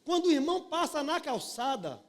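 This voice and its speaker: A male pastor preaching a live sermon in a church, telling stories and calling out to the congregation in a folksy, animated way. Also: very high-pitched, fairly quick.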